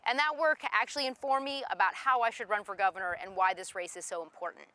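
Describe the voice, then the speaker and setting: A middle-aged woman from Maine speaking earnestly as a political candidate in an interview, often pausing with "um". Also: medium pitch, pushed and bright. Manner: earnest, frequent "um" fillers. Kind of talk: recorded campaign interview.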